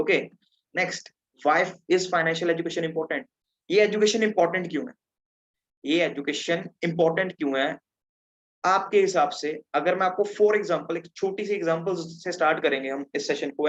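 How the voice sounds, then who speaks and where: Teen male presenter from Punjab, slightly high voice, chatty online teacher, muffled video call sound. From Punjab, India. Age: teens. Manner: chatty, checks in with listeners. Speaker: webinar presenter. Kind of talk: interactive online lesson.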